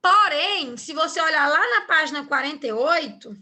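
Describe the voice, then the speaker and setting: A woman's voice: high-pitched, animated, normal speed, pushed and bright. A woman teacher with a Brazilian accent, patiently explaining a lesson in an online class and checking often that her students follow. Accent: Brazilian Portuguese.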